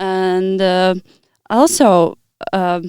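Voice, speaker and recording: A woman speaks with a Latvian accent. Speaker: podcast host. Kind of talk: interview. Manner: halting.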